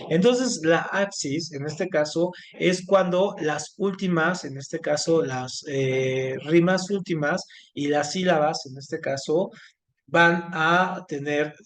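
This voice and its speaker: A man teaching an online class, speaking haltingly with many fillers and restarts. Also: a little high. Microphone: video call.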